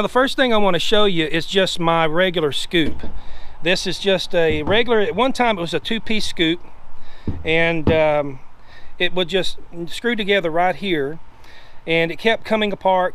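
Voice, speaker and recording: A man's voice: sits high, normal speed, fairly bright tone, clear, resonant tone, low-quality recording. A middle-aged man casually showing off his gear outdoors by a pickup truck, talking in a folksy, rambling way with lots of "uh" and restarts. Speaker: treasure hunting video host. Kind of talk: casual show-and-tell demonstration.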